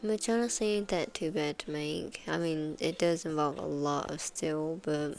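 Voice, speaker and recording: A woman's voice: sits low, steady tone, moderate pace, gravelly, darkish tone, soft background music. A woman, congested from sinus trouble, giving rambling, casual gameplay voice-over commentary full of fillers. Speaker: gaming video host.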